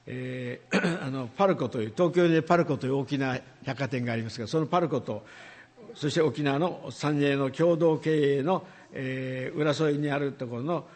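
Polite pastor introducing a guest. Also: male voice, mid-range voice, darkish tone. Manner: polite, measured, with frequent fillers. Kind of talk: formal church introduction. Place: church.

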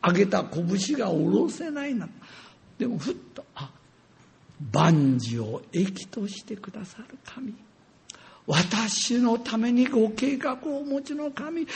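Older male preacher, high gravelly voice, animated storytelling testimony. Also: slow. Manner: animated, acts out scenes with sound words.

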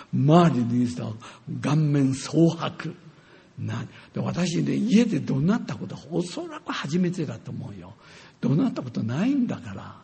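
Older male preacher, high gravelly voice, animated storytelling testimony. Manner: animated, acts out scenes with sound words.

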